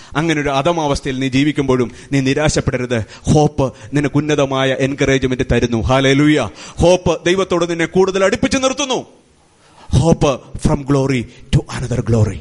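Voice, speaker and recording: Over noticeable background noise, a man speaks in an animated tone at a fairly high pitch. His pitch variation is ordinary and his loudness very even. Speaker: preacher. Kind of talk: sermon.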